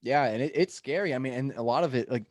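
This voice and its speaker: Relaxed New England guy, dry sound. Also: medium pitch, fast, no echo. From New Hampshire, US. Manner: relaxed, lots of "like" and "I mean". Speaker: podcast host. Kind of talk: casual podcast chat.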